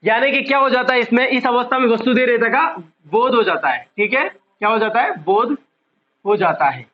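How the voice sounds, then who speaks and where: A man's voice: very high voice, expressive, muffled recording. A male psychology teacher giving an online exam-prep lecture, repeating key terms and quizzing the class often, drawing out the important words. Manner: drawn-out emphasis on key words.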